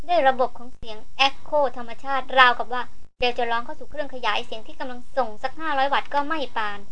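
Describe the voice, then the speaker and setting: A woman narrating a novel with steady, expressive storytelling. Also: high voice, low-quality recording. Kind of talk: novel reading aloud.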